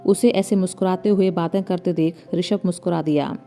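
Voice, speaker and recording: A woman narrating a storybook in a calm, even storytelling manner. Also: fairly low pitch, brisk. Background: faint background music.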